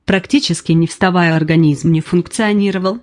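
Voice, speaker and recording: A man interviewing a patient, putting brisk prompting questions to her. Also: high-pitched, steady tone. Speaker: interviewer and therapist.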